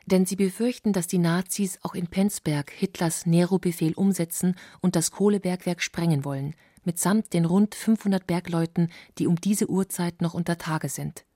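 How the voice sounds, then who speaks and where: Sober documentary narrator woman, warm tone. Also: lowish voice, fairly even intonation, dry recording, studio quality. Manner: measured, sober.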